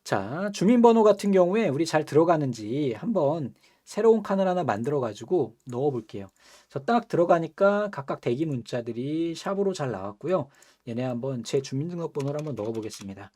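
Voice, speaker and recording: A young man teaching a computer skills course over a screen recording, chatty, laughing often and asking his students quick questions. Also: on the high side, animated, warm tone. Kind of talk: screen-recorded software tutorial.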